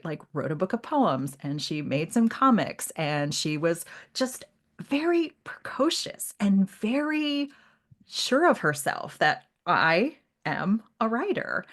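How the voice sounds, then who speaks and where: A woman's voice: on the low side, a bit bright. A woman co-hosting a podcast, talking through literature in a casual, reflective and appreciative way. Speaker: podcast co-host.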